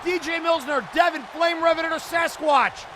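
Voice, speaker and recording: A man giving live play-by-play wrestling commentary with excited, exclamatory calls. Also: very high voice, moderate pace. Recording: noisy event audio with loud crowd. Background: crowd and arena noise.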